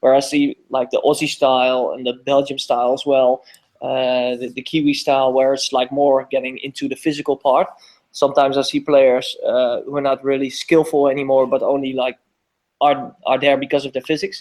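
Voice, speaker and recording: A man speaks with a Dutch accent at a fairly high pitch. His intonation is monotone and flat. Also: moderate pace. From Netherlands. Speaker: field hockey player. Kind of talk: podcast interview. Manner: halting, many fillers.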